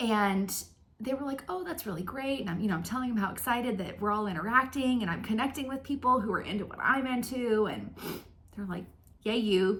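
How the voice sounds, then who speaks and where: The speaker has an American accent and a fairly quick pace, with audible room echo. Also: woman. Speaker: cross-stitch vlogger. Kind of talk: casual chat. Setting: home craft room.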